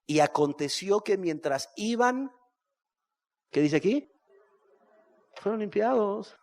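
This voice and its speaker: Impassioned high-voiced male preacher. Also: animated, takes it slowly. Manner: impassioned preaching, swinging from shouts to hushed tones. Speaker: pastor. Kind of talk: sermon.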